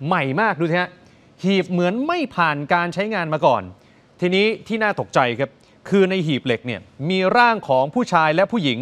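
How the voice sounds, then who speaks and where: A man's voice: sits high, sing-song, brisk, fairly bright tone. A male news presenter telling a crime story in an emphatic way, speaking straight to the viewers. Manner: emphatic, addresses viewers directly. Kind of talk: dramatic news report.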